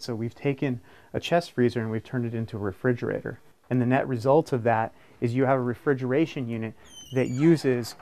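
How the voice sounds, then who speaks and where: A man's voice: mid-range voice, a little mellow. A man in his forties, a farmer and craftsman, explaining his handmade off-grid setup step by step while walking around his small farm, indoors and out. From United States. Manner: earnest, practical, explains step by step. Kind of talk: casual explanatory tour.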